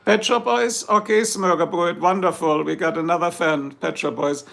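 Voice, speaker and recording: Brief: middle-aged German-accented streamer, hoarse, deeply gravelly, joking and rambling. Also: male voice, fairly even intonation, moderate pace, fairly bright tone. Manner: joking, chatty, reads out viewer comments. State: hoarse, losing his voice. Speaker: livestream host. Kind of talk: rambling casual chat with viewers.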